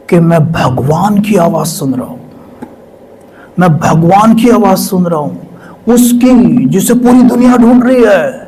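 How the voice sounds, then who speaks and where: A male spiritual speaker telling a personal testimony with emotion, sometimes dropping to a hush. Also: high voice, poor audio. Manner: emotional, drops to hushed tones for quoted voices.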